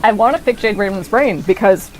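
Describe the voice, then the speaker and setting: A woman's voice: mid-range voice, fairly quick, rough recording. A woman in her twenties from the United States giving casual, rambling gameplay commentary, swearing freely. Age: 20s. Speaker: streamer.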